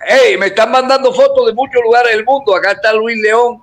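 Eager high-voiced coastal host. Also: male voice, fairly even intonation, a little fast. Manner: eager, interjecting. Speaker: radio host.

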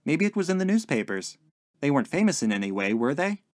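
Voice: mid-range voice, very animated, fast, no room sound, clean studio sound, voice pushed up, close to an everyday voice. A narrator voicing a polite, earnest young man in a story, hesitant and puzzled as he searches for his words. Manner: hesitant, searching, well-mannered.

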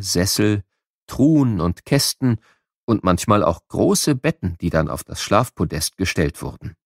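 A man's voice: fairly low pitch, no echo, clean studio sound. A man narrating a scripted educational audio play for children in an explanatory storytelling manner.

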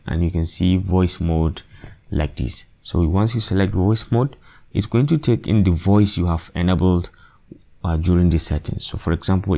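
A man presents a software tutorial in a low, dark voice with noticeable fry. He explains step by step in an unscripted way, repeating himself and hesitating as he goes.

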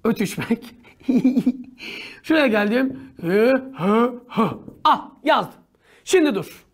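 A male teacher giving an energetic, joking grammar lecture in a slangy manner, now and then bursting into shouts. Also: very high-pitched, extremely slow.

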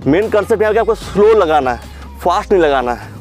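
A man's voice: high voice, animated, quick pace, darkish tone, soft background music. Young man coaching a home workout. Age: young adult. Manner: coaching, counting reps with short commands. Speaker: fitness coach. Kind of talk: workout instruction. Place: open grass field by a lake, outdoors.

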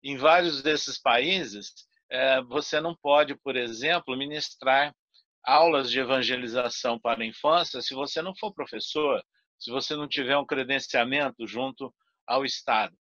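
Older man on a bright, dull video call. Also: medium pitch, no echo. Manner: deliberate, many fillers and restarts. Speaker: guest speaker. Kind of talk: spiritist interview answer. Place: home study with bookshelves.

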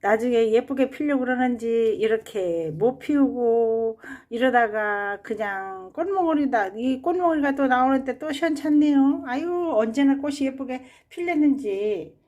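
A gardening channel host walks through her balcony garden in a casual vlog, chatting fondly about her plants with frequent sighing exclamations. Her voice is a little high and a little mellow, at a normal speed.

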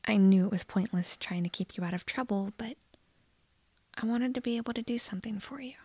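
A woman playing a shy, nervous teenage girl in love with a best friend, in a breathy, hesitant ASMR roleplay whisper. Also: mid-range voice, dark tone, dry recording, natural voice. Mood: fond, nostalgic. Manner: hesitant, halting, tender.

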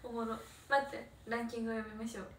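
A bright, slightly high young woman chats in an on a casual late-night livestream. She giggles often and keeps things lively. Her voice sits a little off-mic in an echoey room with a faint hiss. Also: racing, distant mic. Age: young adult. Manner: giggly, lively, reads out viewer rankings. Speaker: idol livestream co-host.

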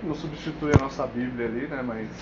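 A man's voice: medium pitch, quick pace. A Brazilian Portuguese-speaking man with a Brazilian accent gives an informal technical talk as a developer, colloquial and often checking in with his listeners. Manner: colloquial, frequent check-in tags. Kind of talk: informal tech presentation with live demo. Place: indoor meetup room with whiteboard. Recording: echoey room, dull sound, clear noise.

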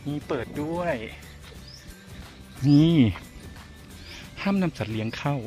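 A man's voice: a little high, expressive, slow pace, a little mellow, soft background music. A man vlogging casually while walking outdoors, chatty and exclaiming as he talks to his viewers. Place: outdoors on a street and in a garden cafe.

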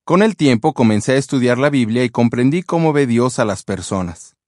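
A man from Australia tells his own story in an earnest, calm read at a middle pitch. The voice is recorded close and dry, with no room sound behind it. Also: brisk, no room sound. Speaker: testimony speaker. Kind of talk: read personal testimony.

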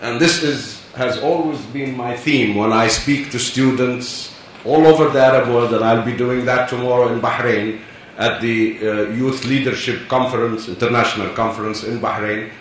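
A man's voice: medium pitch, normal speed. A man in his seventies from Palestine, speaking earnestly and insistently on a conference panel. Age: 70s. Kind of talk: earnest personal speech. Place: large conference hall. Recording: echoey hall, distant mic, faint hiss.

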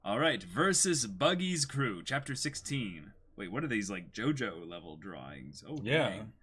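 A man in his twenties talks casually between bits of reading. His voice is bright and a bit husky, with very wide swings in pitch and an unhurried pace. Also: sing-song. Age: 20s. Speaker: host reading manga aloud with a friend. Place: small indoor room in front of a backdrop.

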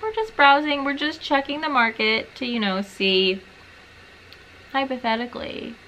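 A woman's voice: sits high, animated, normal speed, pushed and bright, a little hiss or hum, poor audio. A young woman in her twenties chatting casually to camera in a small bedroom, with wry, self-mocking asides. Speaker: lifestyle vlogger. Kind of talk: casual vlog chat to camera.

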